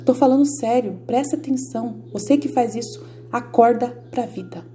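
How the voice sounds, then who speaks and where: A woman's voice: on the high side, moderate pace, mellow, slight background noise. A Brazilian woman giving informal, emphatic devotional teaching. She speaks straight to her viewers and repeats her points over and over. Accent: Brazilian Portuguese. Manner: emphatic and repetitive, addresses viewers directly. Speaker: Catholic lay teacher.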